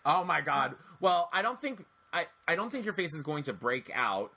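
A man in his forties with a bright, clear tone and a slightly higher voice, talking on a casual podcast. He rambles through stories in an animated, chatty way and restarts his sentences often. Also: normal speed. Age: 40s. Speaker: podcast host.

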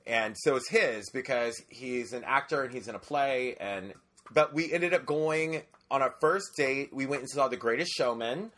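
A man's voice: medium pitch, normal speed, fairly bright tone. A man in his forties co-hosting a podcast, chatting casually and dishing with campy slang. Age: 40s. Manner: chatty, dishy banter with drag slang. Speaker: podcast co-host. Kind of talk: casual chat.

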